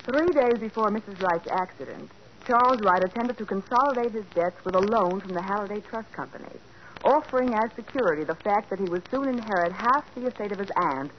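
An actress playing a young detective's assistant, reading a report in clipped 1940s radio style. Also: female voice, medium pitch, lively intonation, a little fast, natural voice. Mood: businesslike. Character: crisp, businesslike young woman detective assistant. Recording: dull 1940s radio recording, faint noise.

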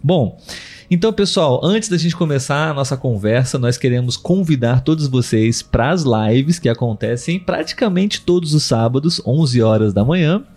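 A man's voice: medium pitch, lively intonation, moderate pace, darkish tone, soft background music. A Brazilian man hosting a casual live podcast for language learners, explaining things didactically and often restating with synonyms. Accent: Brazilian Portuguese. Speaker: podcast host.

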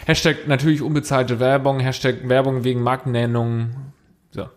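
A man's voice: medium pitch, normal speed. Wisecracking male podcast co-host. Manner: wisecracking, deadpan fake facts. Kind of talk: casual comedy podcast banter.

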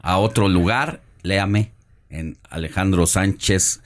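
A man with a Mexican accent hosting a live radio news show, giving measured, opinionated commentary. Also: deep voice. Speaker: radio news host and columnist.

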